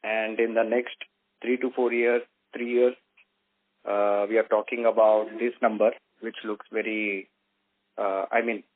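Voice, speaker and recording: A man's voice: fairly low pitch, flat delivery, a little slow. A man, an investor on an earnings call who presses the management with direct questions. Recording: tinny phone line.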